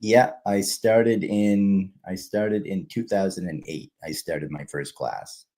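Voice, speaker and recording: Speaking slowly in a low, mellow voice, this Canadian guest chats casually on a video-call livestream interview. He runs a kids' fitness business and comes across as friendly and relaxed, occasionally restarting his sentences.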